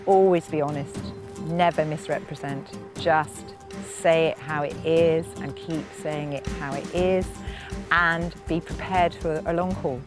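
A woman's voice: deep voice, steady tone, a little slow. A woman in her fifties, interviewed outdoors at a wind farm, speaking earnestly about a local charity. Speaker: charity organiser. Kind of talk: documentary interview. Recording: music bed underneath.

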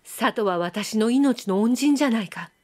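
Brief: resolute young samurai, firm and plain, read by a woman with a fairly high voice. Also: animated, moderate pace. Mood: earnest, firm. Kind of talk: audiobook reading.

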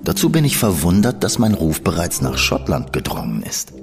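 An actor playing a shrewd, menacing gentleman schemer who speaks in a smooth, ironic and condescending manner. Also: sits low, huge pitch swings, normal speed, over music, heavily acted. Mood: suave. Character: shrewd, cool male gentleman spymaster, coldly menacing. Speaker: gentleman in an audio drama. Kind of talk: studio audio drama acting.

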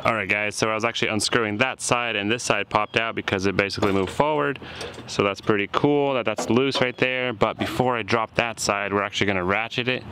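A man in his thirties, casually talking through a repair job outdoors, thinking aloud as he works. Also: on the low side. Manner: easygoing, thinking aloud while working. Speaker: shop mechanic host. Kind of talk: casual how-to narration. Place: outdoor junkyard. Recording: outdoor noise behind.

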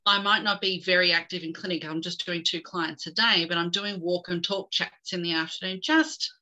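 Middle-aged woman on a video call, bright forceful tone, slightly low voice, animated storyteller. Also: normal speed, low-quality recording. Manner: animated storyteller, tells jokes. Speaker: guest. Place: home room with bookshelves.

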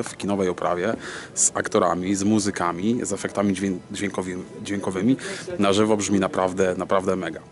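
A man in his thirties hosting a casual vlog to camera, haltingly searching for words. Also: low-pitched. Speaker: vlog host. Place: dim cinema auditorium. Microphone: camera at arm's length.

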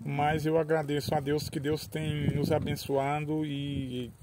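A man's voice: on the high side, level tone, measured pace. A man with a Northeastern Brazilian accent hosting a casual outdoor interview on a farm, friendly and speaking of faith. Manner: friendly, religious, encouraging. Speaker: host. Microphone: handheld camera behind the lens. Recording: loud outdoor noise.

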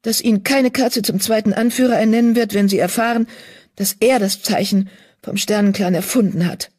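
A woman's voice: fairly even intonation, normal speed, a little mellow, slightly rough, lightly acted. A woman voicing an anxious, guilt-ridden young female medicine cat in an audiobook, pleading and distressed. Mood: resolved. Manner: pleading, distressed, voice raised high. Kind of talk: audiobook character voice.

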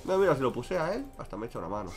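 Young male streamer, quick and lively, crude banter, faint music behind. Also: mid-range voice. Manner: crude, joking, talks to chat. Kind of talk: casual gameplay commentary.

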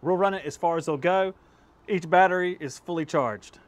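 A man's voice: high-pitched, normal speed, slight background noise. A man in his thirties casually reviewing drills in his home workshop, talking into a lapel mic in an easygoing, chatty way. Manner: chatty and easygoing, laughs at his own results. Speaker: tool-testing YouTube host. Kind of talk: casual hands-on tool review. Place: home workshop with shelves of power tools, indoors. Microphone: clip-on lapel mic.

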